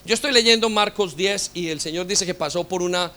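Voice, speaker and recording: Male pastor, fervent sermon delivery, high bright voice, drives points home with rhetorical questions. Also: brisk. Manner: impassioned preaching with rhetorical questions.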